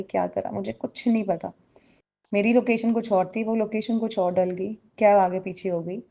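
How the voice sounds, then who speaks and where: A woman's voice: medium pitch, gravelly, a little mellow. A woman speaking with a tinge tells her own devotional story to a gathered congregation. She is earnest and personal, and she keeps turning to her listeners to address them directly as she goes. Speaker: devotee sharing a testimony. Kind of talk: spoken personal testimony to a congregation.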